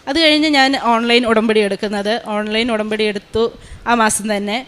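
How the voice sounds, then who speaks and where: A woman's voice: fairly high pitch, moderate pace, fairly bright tone. A young woman, telling a personal testimony in an earnest storytelling way full of fillers. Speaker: testimony giver.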